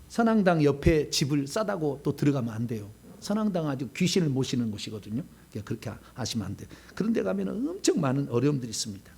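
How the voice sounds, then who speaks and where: Male pastor, middle-aged, husky, lively pitch, sermon delivery with loud bursts and soft asides. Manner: animated preaching with sudden loud bursts and quiet asides.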